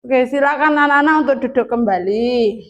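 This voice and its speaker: A woman's voice: high-pitched, fairly quick, lo-fi sound. A young woman teaching a primary class in a classroom, speaking with an Indonesian accent and coaxing her pupils with questions.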